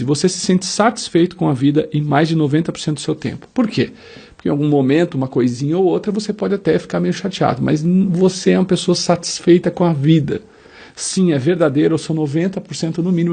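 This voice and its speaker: A man's voice: fairly high pitch, fast, gravelly, dark tone, breathy edge. A man leads a self-help quiz, reading each statement and acting out sample answers in the first person. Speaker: motivational speaker.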